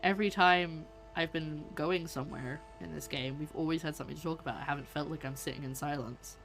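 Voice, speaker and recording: A woman's voice: sits low, brisk, a bit bright, faint music behind, low-quality recording. A woman streamer giving casual gameplay commentary with chatty, playful asides. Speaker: game streamer.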